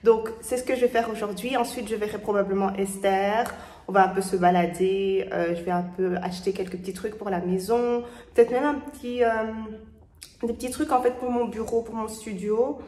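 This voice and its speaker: A young woman chatting casually to her viewers in a vlog, excitable, slipping in English slang. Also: medium pitch, normal speed, reverberant, distant mic. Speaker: vlogger.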